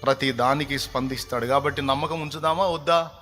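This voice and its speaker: A man preaching a sermon emphatically, swinging between loud cries and hushed intensity. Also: mid-range voice, fairly even intonation, fairly quick, soft background music.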